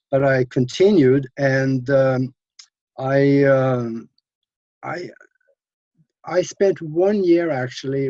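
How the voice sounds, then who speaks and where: A man's voice: medium pitch, warm tone, no room sound, lo-fi sound. Older Norwegian-born man, rambling guest. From Norway. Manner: rambling, many fillers and restarts. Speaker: interview guest. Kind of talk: casual interview storytelling.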